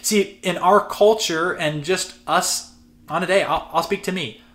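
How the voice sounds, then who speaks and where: A man's voice: sits high, measured pace, fairly bright tone. A man preaching a sermon to his congregation, earnest and conversational, repeating words for emphasis and acting out everyday prayers. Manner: voices imagined prayers in an easy conversational tone. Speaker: pastor.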